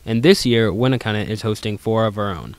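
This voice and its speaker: Teen boy student reporter, even scripted narration, lower smooth voice. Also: fairly quick, dry recording. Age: teens.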